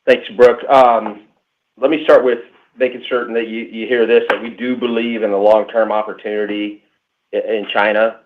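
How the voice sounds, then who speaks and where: A man answering analyst questions on an earnings call, measured and emphatic, pausing and restarting as he talks. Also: lowish voice, level tone. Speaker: company executive answering analysts. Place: conference call line. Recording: tinny phone line.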